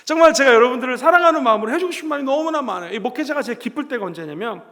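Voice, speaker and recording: A middle-aged male pastor giving a lively sermon to a youth service, acting out little dialogues and having the congregation repeat words after him. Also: extremely high pitch, rapid-fire. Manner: animated, acts out dialogue in voices, shouts key lines. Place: church sanctuary. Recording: reverberant church hall.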